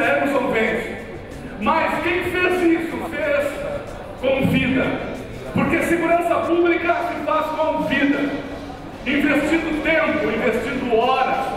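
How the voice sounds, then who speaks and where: A man in his forties giving a rousing, rhetorical speech at a podium in a large council chamber, repeating phrases for emphasis. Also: very high-pitched. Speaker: city councillor speaking at a session. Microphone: podium microphone heard from afar. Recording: echoey chamber from far off with crowd.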